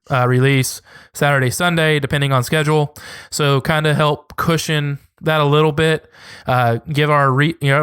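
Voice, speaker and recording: A man co-hosting a podcast, talking in a loose, rambling, friendly way. His voice is smooth and even, with a close, dry sound and no room echo. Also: a little high. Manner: rambling, friendly, plugs social handles. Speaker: podcast co-host. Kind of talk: casual podcast sign-off chat.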